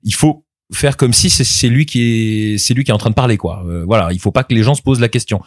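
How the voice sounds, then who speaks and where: A man's voice: medium pitch, animated, fast, breathy edge, no echo, studio quality. A man in his thirties, a voice actor being interviewed, talking casually with many fillers and restarts. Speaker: voice actor guest.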